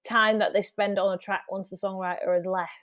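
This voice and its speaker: A woman's voice: medium pitch, little pitch movement, fairly quick, fairly bright tone, no echo, clean studio sound. A middle-aged woman, a music industry guest, chatting casually in an interview with frequent restarts. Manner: chatty, restarts often, laughs easily.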